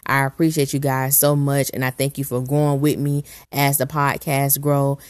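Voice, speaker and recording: A woman with a naturally raspy voice, made extra rough and deep by an oncoming cold, hosts her solo podcast. She speaks in a very low register and sounds earnest and prayerful as she encourages her listeners. The recording is dry and close. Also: level tone, moderate pace, dry recording. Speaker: podcast host. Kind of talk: motivational solo podcast talk.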